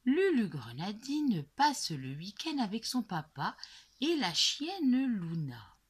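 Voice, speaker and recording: A woman reading a children's story aloud, slow and expressive, often dropping to a whisper. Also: fairly high pitch, slightly rough.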